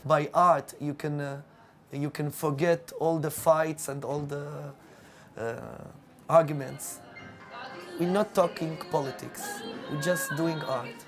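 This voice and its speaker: A man's voice: fairly high pitch, fairly even intonation, takes it slowly, soft background music. A man interviewed about his theater, speaking emphatically with light laughter. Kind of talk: interview answers.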